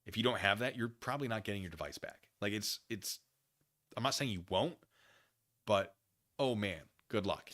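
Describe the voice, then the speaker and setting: Bright, forceful low-voiced man commentating. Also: normal speed, pauses often. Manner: conversational, animated asides, acts out imagined dialogue. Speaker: live stream host and commentator. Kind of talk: casual live commentary on documents read aloud.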